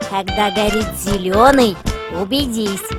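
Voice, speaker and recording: A woman's voice: mid-range voice, a little slow, lightly acted. A woman voicing a caring, admonishing road patrol guardian, teaching carefully in a children's cartoon. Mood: instructive. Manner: didactic, careful. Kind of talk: children's educational cartoon acting. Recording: music behind the voice.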